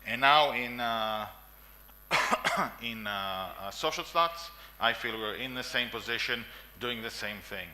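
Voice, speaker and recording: A man's voice: medium pitch, animated, takes it slowly, pushed and bright. A man in his forties with an Israeli accent, giving an emphatic conference talk with fillers and coughs in a meeting room. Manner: emphatic, repeats lists, frequent coughs and fillers. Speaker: conference speaker.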